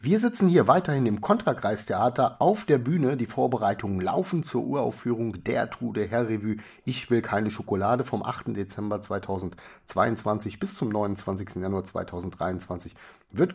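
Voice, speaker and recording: A man interviewing performers on a theater stage, asking measured, formal questions. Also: lowish voice, gravelly, slightly rough.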